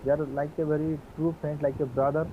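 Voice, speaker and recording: A man in his twenties from West Bengal with a Bengali accent, practising English on a video call, polite and hesitant with many pauses. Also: on the high side, flat delivery, phone-quality sound, slight background noise. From West Bengal, India. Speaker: English learner.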